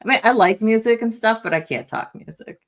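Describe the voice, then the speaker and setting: A woman's voice: on the high side, a little fast. A woman who runs a legal commentary channel, chatting casually on a livestream, laughing easily and filling her speech with "like" and "um". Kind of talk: casual live chat.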